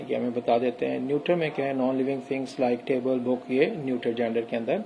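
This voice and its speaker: A man's voice: mid-range voice, warm tone, a little hiss or hum, poor audio. A man teaching an English grammar lesson, explaining step by step and reading out English example sentences. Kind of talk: recorded classroom lecture.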